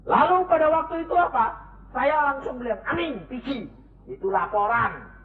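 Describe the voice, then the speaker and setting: A man preaching a sermon, swinging between high cries and low murmurs as he questions his congregation. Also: big pitch swings, moderate pace. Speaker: evangelist preacher. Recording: echoey, tinny lo-fi sermon tape.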